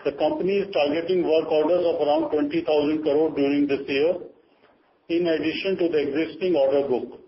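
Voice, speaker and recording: A man's voice: on the high side, steady tone, brisk. A man with an Indian accent reading a formal, scripted corporate statement as a company chief on a conference call. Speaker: company chief giving earnings remarks. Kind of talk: formal prepared corporate statement read aloud. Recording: dull lo-fi conference call, faint noise.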